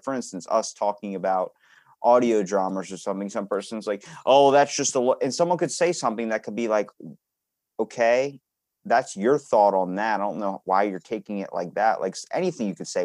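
A man's voice: on the low side, dry recording. A man chatting casually on a podcast, blunt and sweary, acting out quotes as he tells stories. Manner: profane, blunt, animated storytelling with acted-out quotes.

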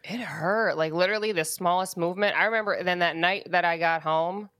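A woman's voice: fairly low pitch, fairly quick, fairly bright tone, no room sound, clean studio sound. A young woman co-hosting a podcast, chatting casually and acting out bits of dialogue as she tells a story. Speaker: podcast co-host. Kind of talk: casual chat. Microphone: studio podcast mic.

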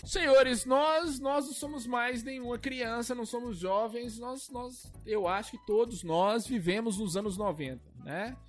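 High-voiced man hosting a podcast. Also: measured pace, few pauses, soft background music. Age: 30s. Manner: teasing, jokey. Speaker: podcast host. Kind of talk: casual podcast chat.

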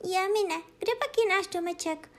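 A woman voicing a small, anxious female kitten in a children's storybook, talking in a high, pleading, fretful way.

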